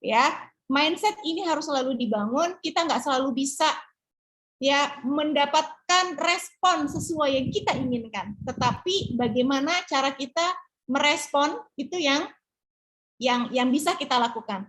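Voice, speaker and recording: A middle-aged woman trainer talking through a student's question in an online class. Her voice sits high, and she keeps things encouraging, tagging "ya" onto her sentences as she explains. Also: normal speed, a bit bright, low-quality recording. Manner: encouraging, peppers speech with "ya". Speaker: public speaking trainer.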